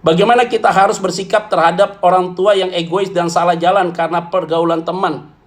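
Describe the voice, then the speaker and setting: High-voiced blunt joking pastor, a man. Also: fairly even intonation, brisk. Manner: blunt, joking, colloquial, calls listeners "saudara". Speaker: pastor answering questions. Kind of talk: church Q&A talk.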